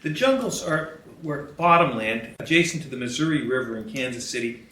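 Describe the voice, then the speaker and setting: A man's voice: mid-range voice, expressive, brisk, bright, forceful tone, a little hiss or hum. A man hosting a history podcast, talking in a conversational, colloquial and emphatic way as he gives a commentary. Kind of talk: animated commentary with newspaper headlines read aloud. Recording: echoey room, distant from the mic.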